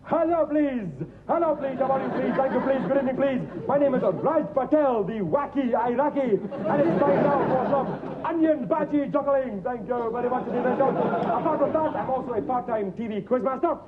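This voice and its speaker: Brief: comedian doing silly overpolite quizmaster alter ego, high and slow, lo-fi TV audio. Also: male voice, over a noisy crowd. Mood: wacky. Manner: adds "please" to everything. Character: wacky overly polite male comic alter ego quizmaster. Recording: tinny lo-fi TV recording with audience.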